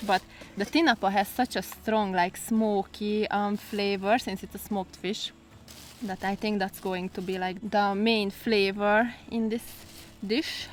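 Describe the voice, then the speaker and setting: A woman hosting a casual outdoor cooking vlog, chatting and giggly as she explains things. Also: medium pitch. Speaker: vlog host. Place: outdoors on a farm.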